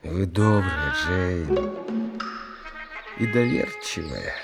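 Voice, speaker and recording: An actor in an audio play voicing an earnest, gallant young unlucky artist who plays sleuth, telling his story theatrically with expressive pauses. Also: sits low, gravelly, over music, exaggerated voice. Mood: tender. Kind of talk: theatrical audio drama acting.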